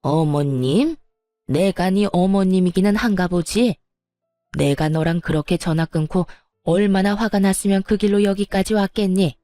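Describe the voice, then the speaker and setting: A woman's voice: medium pitch, steady tone, normal speed, mellow, dry recording, soft background music, natural voice. A woman voicing an angry, sarcastic older mother-in-law who bullies her daughter-in-law. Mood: scolding. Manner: sneering, bullying, sarcastic.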